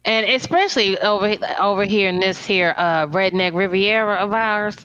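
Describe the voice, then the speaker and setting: A woman's voice: mid-range voice, moderate pace, fairly bright tone, muffled recording. A woman hosting a casual podcast chat. She talks emphatically and repeats words for effect. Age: 40s. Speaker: podcast host.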